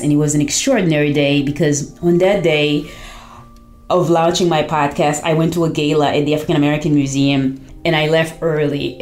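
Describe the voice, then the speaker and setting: A woman podcast host from Haiti shares her story in a low, earnest voice. She talks reflectively, leaning on "you know" as she thinks. Soft music sits faintly behind her. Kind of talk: personal testimonial.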